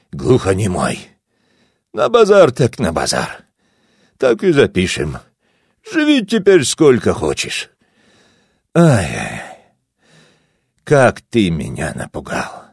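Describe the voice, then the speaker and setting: A man's voice: medium pitch, very animated, slow pace, husky, dry recording, studio quality, pitched above the performer's own voice, full character voice. Man doing a wheezy, grumbling old man. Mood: weary. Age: older. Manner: hissing, weary grumbling. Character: quarrelsome, good-natured old man, wheezing.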